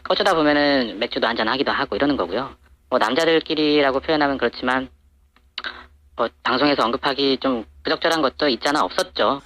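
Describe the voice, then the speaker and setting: A man's voice: medium pitch, fast talker, fairly bright tone. An anonymous male supplier answering interview questions through an electronic voice changer that disguises his voice. He talks matter-of-factly and fills his answers with hesitant fillers. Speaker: anonymous supplier to TV shopping channels.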